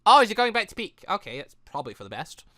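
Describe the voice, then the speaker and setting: Animated man doing gaming commentary. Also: high-pitched, quick pace, dry recording. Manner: rambling, exclaims and breaks off mid-sentence. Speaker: gaming channel host, let's player. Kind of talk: gameplay commentary on a visual novel.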